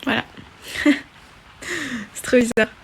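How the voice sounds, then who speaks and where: A woman in her twenties hosts a casual live stream from her phone, speaking slowly. She reads viewer questions aloud and chats back, with many fillers and restarts.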